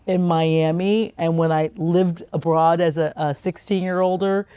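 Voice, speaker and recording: A woman's voice: lowish voice, fairly even intonation, unhurried, dark tone, clean tone, dry recording. Chatty woman, lots of "like". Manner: chatty, many "like" fillers. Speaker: podcast co-host. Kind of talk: casual family chat.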